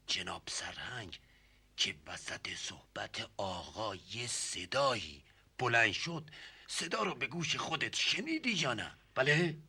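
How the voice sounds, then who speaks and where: A pompous, impatient nobleman playing judge in a TV comedy drama. His sharp, husky voice swings widely as he barks orders. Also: medium pitch, exaggerated voice. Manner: formal, impatient, commanding.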